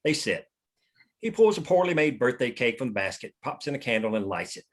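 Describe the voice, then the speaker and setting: Male narrator for a screenplay read, mid pitch, reading scene headings and action. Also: big pitch swings, a little fast. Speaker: narrator reading stage directions.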